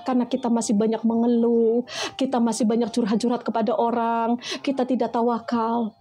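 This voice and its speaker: High, mellow-toned woman preacher giving a motivational talk to her listeners. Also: breathy edge. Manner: addresses listeners as friends, asks rhetorical questions.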